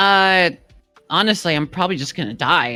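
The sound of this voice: With music in the background, a woman talks at a fairly low pitch.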